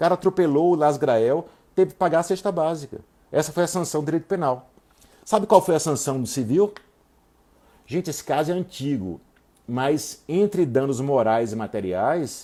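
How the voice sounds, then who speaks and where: Pausing long and often, a man with a fairly high voice and a dark, mellow tone speaks with lively intonation. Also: moderate pace. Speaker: law professor and author. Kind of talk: live-stream lecture. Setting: live stream. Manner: animated.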